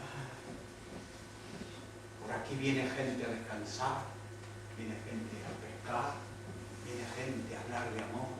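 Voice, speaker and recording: A man's voice: medium pitch, steady tone, takes it slowly, pauses often, background noise, natural voice. An actor on a stage playing a sea promenade come to life as a proud, cheerful man with a put-on Cuban accent, talking in sweeping lists. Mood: reflective. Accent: Cuban Spanish, put on. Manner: boastful, expansive, sweeping. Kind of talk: amateur stage play. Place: theatre stage. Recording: echoey hall from far off, live stage.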